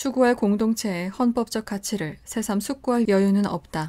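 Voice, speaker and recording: The voice has a dark, mellow tone and ordinary pitch variation at a fairly slow pace. The recording is very clean, with a silent background. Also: woman. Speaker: audiobook narrator. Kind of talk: audiobook essay reading. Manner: soft-spoken.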